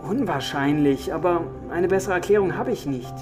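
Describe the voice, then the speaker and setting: A man's voice: fairly high pitch, normal speed, over music, close to an everyday voice. A man playing an uncertain, analytical computer scientist in a science fiction audio drama, explaining things hesitantly. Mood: cautious, analytical.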